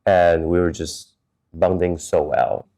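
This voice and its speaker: A man's voice: low-pitched, takes it slowly, gravelly, mellow. A man from Taiwan who moved to Chicago, talking candidly and conversationally as an interview guest.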